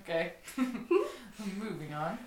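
A woman's voice: deep voice, reverberant, slight background noise. A woman from Canada, a guest on a casual podcast, joking playfully and giggling. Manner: playful, giggly, quick jokes. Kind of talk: casual chat.

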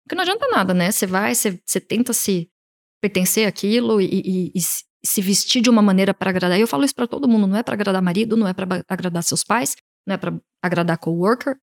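Animated Brazilian woman style consultant. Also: mid-range voice, quick pace. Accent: Brazilian Portuguese. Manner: animated, talks in quoted client voices. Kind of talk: interview guest answering.

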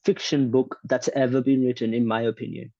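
A man's voice: mid-range voice, flat delivery, brisk, a little mellow, dry recording. An opinionated young man in a casual chat, telling stories and voicing the people in them. He stammers when he restarts a sentence. The recording is dry and slightly dull. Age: 20s. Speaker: conversation partner.

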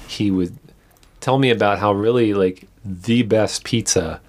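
A man's voice: lowish voice, a little slow. A man hosting a podcast, asking questions in a casual, encouraging way with many short affirmations, recorded in a trailer. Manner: encouraging, frequent short backchannels. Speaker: podcast host. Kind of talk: casual interview. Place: trailer with wind and flags outside.

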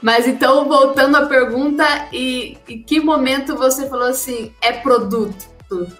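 Here is a woman co-host with a fairly high voice, chatty and relaxed, who asks her questions at length and circles back as she goes. Faint music sits behind her. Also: a little slow. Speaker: podcast co-host. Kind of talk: casual podcast interviewing.

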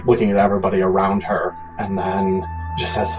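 A man running a tabletop game as game master, improvising narration in halting, repetitive phrases. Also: deep voice, completely flat delivery, lo-fi sound, faint music behind.

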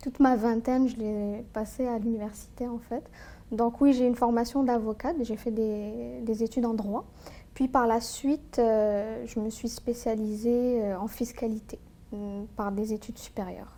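Woman, 30s, soft dark timbre, thoughtful interview guest. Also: a little high, steady tone, a little slow. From Algeria. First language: Algerian Arabic. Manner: earnest, thoughtful, with frequent hesitations. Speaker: guest, tax lawyer. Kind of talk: personal interview, recounting her life.

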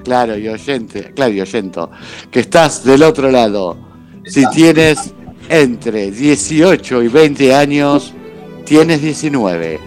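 Man, Argentine accent, lively pitch, joking radio host, faint music behind. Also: slow pace. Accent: Argentine Spanish. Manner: animated, jokey, uses voseo. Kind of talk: casual radio chat.

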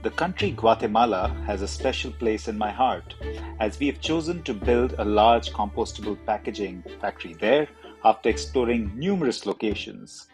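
Faint music sits behind this male podcast host, whose low, expressive voice moves at a normal speed. He welcomes listeners warmly, reads a cheerful intro, and then asks eager interview questions.

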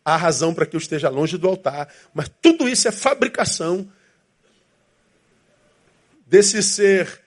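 A man's voice: high voice, unhurried, long pauses. A man preaching a sermon as pastor, with emphatic repetition and inner voices acted out.

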